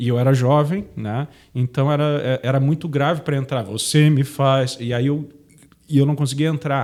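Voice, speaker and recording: A man's voice at a moderate pace, fairly high in pitch, with fairly even intonation. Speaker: singer. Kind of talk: podcast interview. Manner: halting, with many repetitions.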